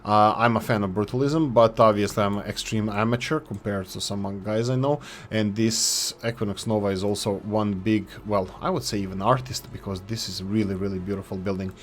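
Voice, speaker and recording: A man's voice: fairly low pitch, fairly even intonation, a little fast, hardly any pauses. Chatty man reviewing game mods. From Yugoslavia. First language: Serbo-Croatian. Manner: chatty and enthusiastic, often restarts words. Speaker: gaming YouTuber reviewing mods. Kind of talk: casual gameplay commentary.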